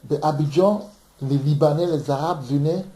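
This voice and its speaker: Faint music sits behind this emphatic, impassioned bible teaching from a man from Ivory Coast, captured in an echoey room in London. His voice is a little high with a dark tone, moving at a moderate pace, and he often repeats words while searching for them.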